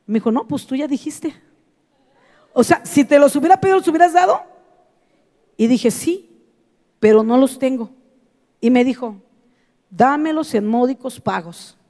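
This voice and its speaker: A high-pitched woman with a Mexican accent delivers a sermon as a preacher. She tells her stories in an animated way and acts out her own reactions as she goes. Her voice rings with the long echo of a large hall. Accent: Mexican Spanish.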